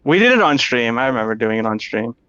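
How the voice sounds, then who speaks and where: A man's voice: medium pitch, big pitch swings, quick pace, pushed and bright, clear, resonant tone, no echo, dull audio. A man chatting casually as a player in a tabletop game.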